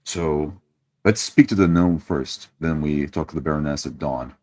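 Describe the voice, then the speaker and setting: Man, very deep bass voice, dry sound, tabletop roleplay, formal courteous phrasing, first-person narration. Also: normal speed, darkish tone, dry recording.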